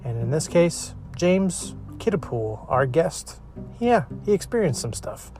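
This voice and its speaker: A man's voice: fairly high pitch, sing-song, a little slow, darkish tone, faint music behind. A man hosting a casual interview podcast, talking in an upbeat, chatty, joking way. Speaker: podcast host.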